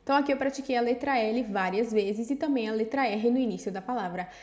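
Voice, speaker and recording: A woman teaching a language lesson in a casual spoken style, checking in often with "tá?" and "ok?" and reading example phrases slowly and carefully. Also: fairly high pitch, darkish tone. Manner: explains with many "tá?" and "ok?" check-ins, reads Spanish slowly and carefully. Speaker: Spanish teacher.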